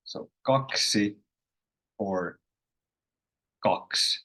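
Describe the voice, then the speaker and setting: Slow low-voiced Finnish man teaching. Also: pushed and bright. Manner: unhurried, rambling with restarts and self-corrections. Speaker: language course host. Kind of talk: casual online language lesson.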